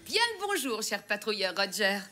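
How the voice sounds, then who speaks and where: A woman's voice: medium pitch, sing-song, moderate pace, music in the background, natural voice. A woman voicing a formal, courteous mothership computer in a cartoon. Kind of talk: cartoon dub acting.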